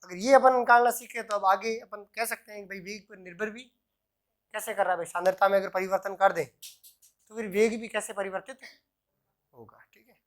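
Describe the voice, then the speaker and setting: A male chemistry teacher working through examples, asking himself questions and answering them, and dictating formulas slowly piece by piece. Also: high-pitched, fairly even intonation, fairly bright tone. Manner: answers own questions, repeats "ठीक है" often. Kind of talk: explaining worked examples at a board.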